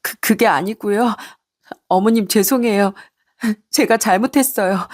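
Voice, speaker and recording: A remorseful young wife, as a woman acts her out, speaking hesitantly and apologetically at a middle pitch in a narrated story. Her lines come soft and halting. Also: close to an everyday voice. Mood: apologetic.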